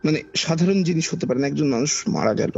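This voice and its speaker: A man with a Kolkata Bengali accent and a husky, gravelly voice recounts an eerie personal experience in a conversational, dramatic way, repeating phrases for emphasis. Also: on the high side, animated, fast, darkish tone. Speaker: podcast guest recounting a personal ghost experience. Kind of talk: conversational ghost-story telling. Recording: dull lo-fi audio under background music. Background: background music.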